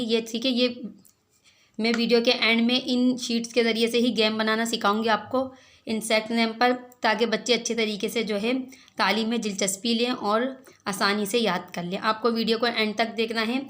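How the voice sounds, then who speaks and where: A woman teacher with an Urdu-speaking South Asian accent, giving a slow children's vocabulary lesson, spelling each word letter by letter and checking whether listeners follow. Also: on the high side, fairly bright tone. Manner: checks in with listeners, asking "clear?".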